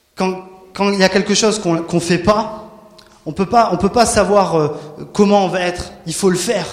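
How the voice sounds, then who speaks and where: Amid noticeable background noise and audible room echo, a man with a high pitch speaks at a moderate pace with long, frequent pauses. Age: 20s. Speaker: preacher. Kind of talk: sermon. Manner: animated; halting.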